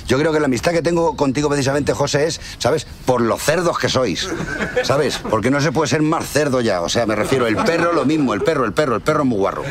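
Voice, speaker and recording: A man's voice: medium pitch, expressive, brisk. A Spanish man on a radio show, laughing as he teases and trades mock insults in a comic sketch. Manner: teasing, laughing while trading insults. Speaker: radio host.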